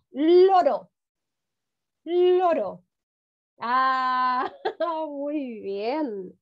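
A woman teaching a first-grade reading class over a video call, praising often and drawing words out. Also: fairly high pitch. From Chile. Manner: warm encouraging praise, drawn-out words, frequent "muy bien". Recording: dull lo-fi video call audio.

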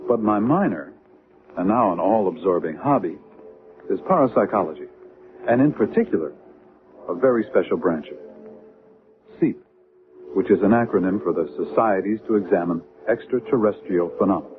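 An actor playing an educated, solemn psychologist who narrates a radio drama in a measured way. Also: male voice, sits low, expressive. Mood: solemn, dramatic. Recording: muffled phone-like old radio broadcast, noisy.

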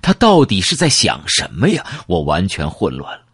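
A man's voice: sits low, wildly swooping pitch, normal speed, fairly bright tone, husky, no echo, studio quality. A man narrating a first-person audiobook with dramatic storytelling.

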